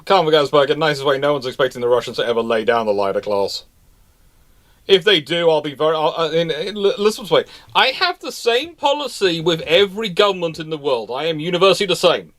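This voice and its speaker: Man, slightly high pitch, emphatic, repetitive phrasing, casual live commentary, host. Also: lively intonation, fast, a bit bright. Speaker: host of a naval history question show.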